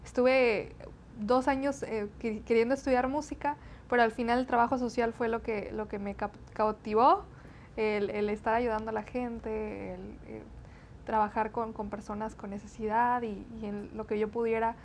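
A woman's voice: on the high side, fairly even intonation, moderate pace. Chatty young woman with faint hiss. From Texas–Mexico border. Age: 20s. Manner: chatty, many fillers and repeated "sí, sí, sí". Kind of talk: interview conversation.

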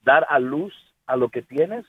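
Earnest pastor on a tinny line. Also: male voice, medium pitch, animated, a little slow, slight background noise. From United States. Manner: earnest, repeats words, mixes in English. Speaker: pastor and guest. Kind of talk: faith interview, reflective.

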